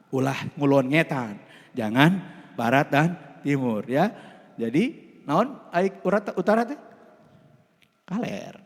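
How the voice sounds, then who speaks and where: Animated preacher with a Sundanese accent. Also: male voice, medium pitch. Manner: lively, animated preaching with playful asides and laughter. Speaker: pastor. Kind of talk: sermon. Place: church hall. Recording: long hall reverb.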